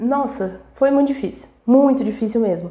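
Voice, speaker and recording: A woman's dark, mellow voice at a fairly slow pace. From Minas Gerais interior (Araxá), Brazil. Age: 20s. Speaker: teacher, essay tutor. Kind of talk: casual personal talk to camera. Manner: conversational, lively.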